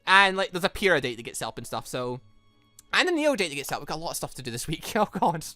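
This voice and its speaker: Bright, highly animated gaming commentator. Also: fast talker, no echo, faint music behind. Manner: rambling, self-confessed ranter; exclamatory, theatrical reactions. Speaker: gaming video host. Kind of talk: excitable let's play commentary with read-aloud dialogue.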